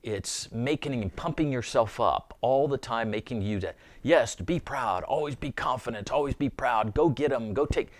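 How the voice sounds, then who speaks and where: A man's voice: mid-range voice, moderate pace, hardly any pauses. A man giving an earnest, informal Christian teaching, often repeating words as he thinks aloud.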